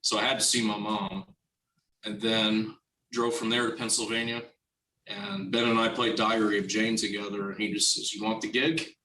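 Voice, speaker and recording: A man telling a long casual story about his drumming career in an interview, animated and acting out the dialogue he quotes. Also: fairly low pitch, normal speed. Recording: roomy, distant from the mic, faint noise.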